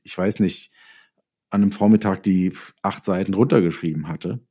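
A man's voice: low voice, moderate pace, dark tone, husky. A middle-aged man speaking as an author being interviewed, thoughtful and often restarting his phrases as he searches for words. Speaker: interview guest, novelist and former advertising copywriter. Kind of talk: reflective conversational interview.

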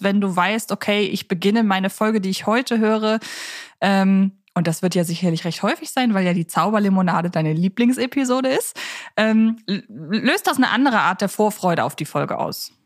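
A woman co-hosting a podcast in a chatty style, often speaking straight to the listeners. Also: medium pitch. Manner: chatty, addresses listeners directly. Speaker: podcast co-host.

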